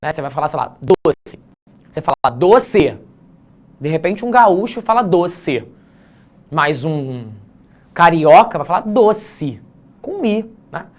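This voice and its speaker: A man's voice: on the high side, big pitch swings, normal speed. Male teacher, casual classroom lesson, breaks grammar rules down with slangy asides. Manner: chatty, explanatory, addresses students informally. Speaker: teacher correcting an exam essay.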